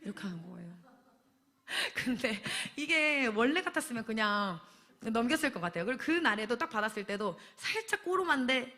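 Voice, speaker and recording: A young woman, a church staff member, giving a personal testimony at an evening worship service, telling her story with animated acted-out quotes and frequent laughter. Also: on the high side, a little fast. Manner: animated storyteller who acts out quoted voices; laughs often while speaking.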